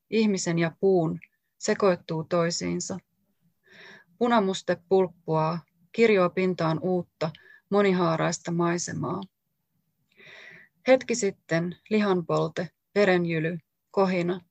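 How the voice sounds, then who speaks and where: Woman author, low and gravelly, gives a poetry reading in measured short phrases, dry close sound. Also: dry recording. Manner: slow, deliberate recitation of short lines. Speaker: author reading her own work.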